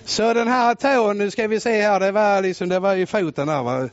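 A male preacher telling a story in a sermon, loud and exclamatory, swinging from shouting to hushed tones. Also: high-pitched. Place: church. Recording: muffled lo-fi recording.

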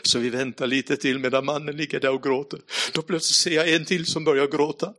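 A man preaching a sermon, telling a personal testimony and speaking to the congregation directly, dropping to a hush at tense moments and laughing lightly now and then. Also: a little high, flat delivery. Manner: storytelling, addresses the audience directly; speaks in a hushed voice at dramatic moments.

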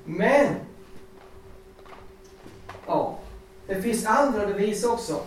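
A man with a high-pitched voice preaches informally to a gathering, mixing Bible verses with personal stories told in a chatty, animated way. He stands at a distance from the microphone in a strongly echoing room, with a faint hiss of noise underneath. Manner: chatty, laughing, animated storytelling. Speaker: lay preacher. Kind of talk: informal sermon with personal testimony. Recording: echoey hall, distant mic, faint noise.

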